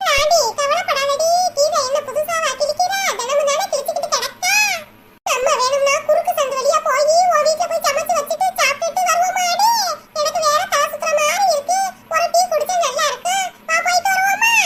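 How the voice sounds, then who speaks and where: The cartoonish character voice moves at a moderate pace with very wide pitch swings and very even loudness. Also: woman, extremely high pitch for a woman. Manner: folksy, cajoling.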